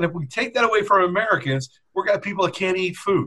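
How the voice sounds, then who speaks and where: A man's high, raised, projected voice, bright and sharp in tone, with lively intonation at a fairly quick pace. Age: 50s. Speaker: financial advisor. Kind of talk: interview.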